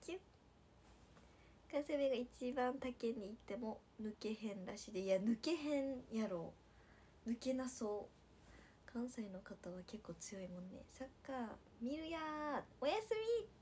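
Brief: young woman, Nagasaki dialect, sleepy livestream chat, fairly high voice, faint hiss behind. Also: measured pace. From Nagasaki, Japan. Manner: drowsy, drifting into soft whispers, then bright squeals for viewers. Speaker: idol livestreamer. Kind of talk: casual livestream chat reading comments.

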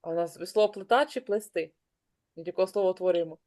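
A woman teaching an online class, brisk and encouraging, calling on pupils by name. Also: lowish voice, dark tone.

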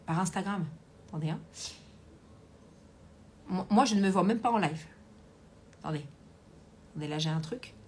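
A woman's voice: medium pitch, a little hiss or hum. A woman coach hosting a live stream, chatting casually, reading comments aloud and talking with many fillers. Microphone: Bluetooth hands-free earpiece.

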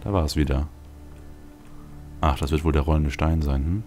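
A man's voice: extremely low pitch, fairly even intonation, moderate pace. A man giving casual gameplay commentary as a let's play host, rambling and thinking aloud. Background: video game music.

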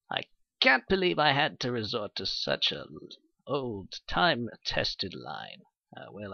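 Man voicing a creaky, husky old villager. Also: medium pitch, dry recording, dull audio, exaggerated voice. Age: older. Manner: hesitant, doddering, genial. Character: kindly rambling elderly male video game villager and shopkeeper. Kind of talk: video game NPC character demo.

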